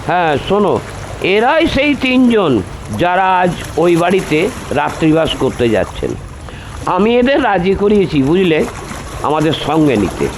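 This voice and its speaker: A man's voice: sits high, sing-song, unhurried, background noise, voice pushed up, heavily acted. An older man voicing a polite, friendly young man in a told story.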